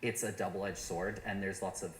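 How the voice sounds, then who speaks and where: A man in a panel discussion, speaking in a measured, serious way. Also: sits low, fairly even intonation, roomy sound. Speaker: panel guest. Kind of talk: casual discussion.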